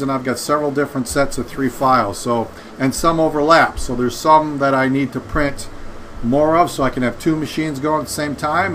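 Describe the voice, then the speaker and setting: Male host, fifties, slightly high voice, casual workshop how-to read, faint steady room hum behind. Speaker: YouTube host showing workshop tips. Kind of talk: casual explanatory tutorial to camera. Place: indoor home workshop.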